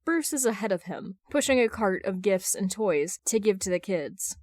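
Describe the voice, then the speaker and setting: A woman's voice: mid-range voice, animated, normal speed, a little mellow, dry recording, clean studio sound. A woman reading scripted fan fiction narration as an audiobook narrator.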